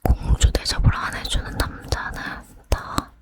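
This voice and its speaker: A woman doing a whispered role-play as a chatty, boy-crazy young woman getting ready to go out, leaning in to whisper in a breathy hush. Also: measured pace, lightly acted. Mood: chatty, determined. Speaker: ASMR creator.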